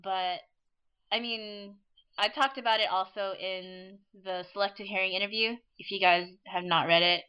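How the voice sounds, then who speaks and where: A woman's voice: mid-range voice, steady tone, normal speed, smooth, dull audio. A woman hosting a casual online fan chat, rambling and laughing often as she talks. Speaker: podcast host.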